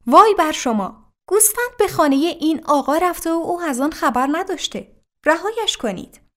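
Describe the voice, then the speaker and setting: Woman reading a calm holy man, firm, commanding, high voice. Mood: stern. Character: revered male imam, calm and just.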